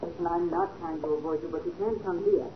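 A woman's voice: lowish voice, fairly even intonation, fast, natural voice. A muffled vintage radio recording with faint noise carries a woman playing a nervous gangster's girlfriend. She sounds guarded and urgent, pleading in 1940s radio drama style. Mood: anxious, guarded. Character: anxious, secretive gangster's girlfriend.

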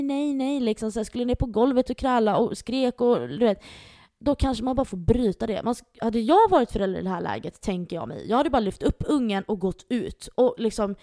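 A young woman chats on a podcast and tells stories in a loose, rambling way, with plenty of swearing and acted-out quotes. Her voice sits a bit high, and the sound is close and dry. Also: dry recording. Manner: storytelling, swearing, animated retellings. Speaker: podcast co-host. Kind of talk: casual chat.

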